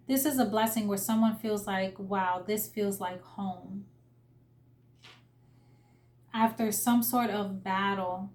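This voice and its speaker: A woman's voice: medium pitch, darkish tone, echoey room. A young adult woman giving a casual spoken tarot reading, earnest and emotional, with many fillers and restarts. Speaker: tarot reader.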